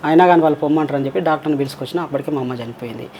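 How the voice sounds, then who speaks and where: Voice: medium pitch, racing, darkish tone, slight background noise. A transgender interview guest with a Telangana Telugu accent, telling long rambling personal stories and acting out quoted voices. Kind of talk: casual storytelling.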